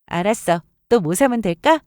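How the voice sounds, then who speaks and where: A woman's voice: mid-range voice, expressive, normal speed, a little mellow, dry recording, studio quality, lightly acted. A woman voicing a caring young bride-to-be in a story, casual and attentive. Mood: eager.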